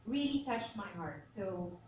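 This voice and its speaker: A woman's voice: medium pitch, expressive, unhurried. A woman speaks candidly and conversationally at a press conference. She laughs easily as she talks. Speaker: radio host, brand ambassador. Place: large event hall. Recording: echoey hall, distant mic, ambient noise.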